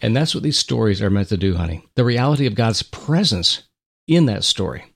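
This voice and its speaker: A man co-hosting a Christian radio broadcast, reading a dramatic story and talking in a measured, earnest way. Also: lowish voice, lively intonation, vocal fry. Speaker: radio ministry co-host.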